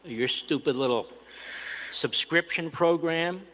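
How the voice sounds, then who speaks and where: Combative man, bright reverberant clip. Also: on the high side, takes it slowly. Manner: combative, taunting. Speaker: commentator in a played clip. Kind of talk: defiant speech.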